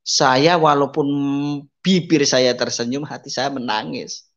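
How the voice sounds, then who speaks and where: A blind man gives an emotional personal testimony, addressing listeners as brothers and sisters, dropping to soft asides and raising his pitch to act out the people he quotes. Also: measured pace. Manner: acts out quoted voices with raised pitch. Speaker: testimony speaker. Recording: slightly dull lo-fi audio.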